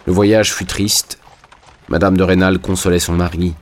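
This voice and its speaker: A man reading a classic novel aloud in measured, scripted narration. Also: low voice, little pitch movement. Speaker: audiobook reader.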